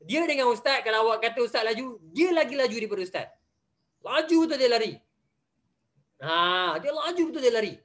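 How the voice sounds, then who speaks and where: In an online class picked up over a video call, a young religious teacher with a Malaysian Malay accent narrates a story and keeps testing his pupils with questions. His voice is extremely high and slightly bright, with lively intonation and a brisk delivery.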